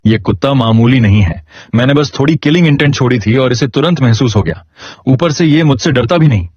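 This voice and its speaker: A man voicing a sly, teasing old martial-arts elder who speaks in smug, drawn-out remarks. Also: medium pitch, lively intonation, darkish tone, husky, dry recording, dull audio.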